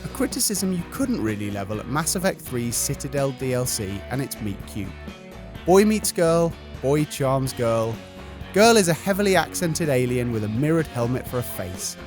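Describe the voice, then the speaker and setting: Wry man with lively intonation. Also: medium pitch, normal speed. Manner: wry, sarcastic. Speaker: video narrator. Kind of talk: comic scripted commentary. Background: light music.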